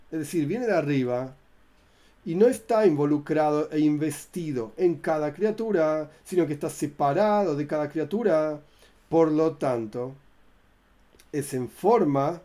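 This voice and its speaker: A man teaching a religious class, explaining slowly, rephrasing terms and correcting himself as he goes. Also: on the high side, warm tone.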